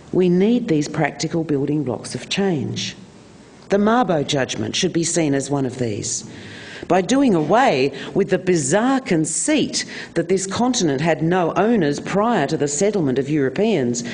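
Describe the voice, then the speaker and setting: A man reading a political speech aloud in a measured, deliberate oratorical manner, with emphatic repeated phrasing. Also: a little high, darkish tone. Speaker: reader of a famous political speech on stage.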